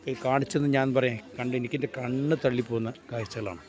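A man with a Kerala accent and a mid-range voice talks quickly and steadily as a vlogger walking through a crowded street market. His commentary is casual, enthusiastic and repetitive, with English words mixed into his Malayalam. Busy crowd noise from the outdoor market fills the recording.

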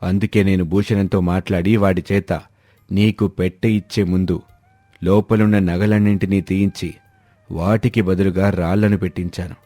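Dark-voiced stern village landlord, played by a man. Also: deep voice, level tone, normal speed, dry recording. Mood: grave, reproving. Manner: grave, commanding. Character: shrewd, stern male village landlord exposing frauds. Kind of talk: scripted animated moral-story dialogue. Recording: background music under the voice.

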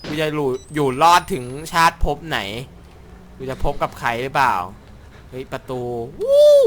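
A man's voice: a little high, wildly swooping pitch, normal speed, fairly bright tone, a little hiss or hum. A young man commentating a horror game in Thai, joking crudely, talking to himself, acting brave and yelping when startled. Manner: jokey, crude and rambling, mock-brave, yelps when startled. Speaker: gaming YouTuber.

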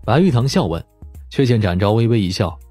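A male storyteller reads scripted fiction. His pitch moves a lot and his voice has a husky grain. Soft music plays behind him. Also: lively intonation, brisk, no echo. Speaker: audiobook narrator.

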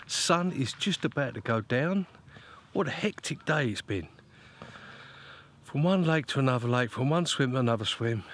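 A man's voice: mid-range voice, slight background noise. A middle-aged man chatting casually in an outdoor fishing vlog, filmed on a close handheld camera beside a lake. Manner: chatty, repeats "look" often, coos at his dog. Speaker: fishing vlogger. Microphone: handheld camera close to face.

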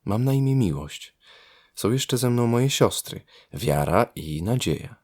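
A man's voice: mid-range voice, lively intonation, unhurried, darkish tone, voice pushed up. A man voicing a curious, enchanted young maiden in a storybook audio tale, wondering and inquisitive. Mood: friendly.

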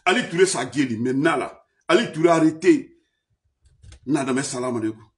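A man delivering an impassioned political rant, shouting accusations and dropping low again. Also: lively intonation, moderate pace, distant mic. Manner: shouting accusations, swinging between loud and low. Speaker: political commentator.

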